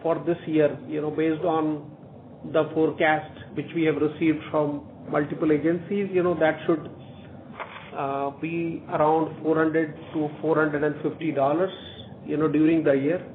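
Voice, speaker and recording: A man with an Indian accent speaking haltingly as a company executive on a corporate earnings call over a phone line. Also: a little high, little pitch movement. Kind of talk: corporate conference call briefing. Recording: tinny phone line with faint noise.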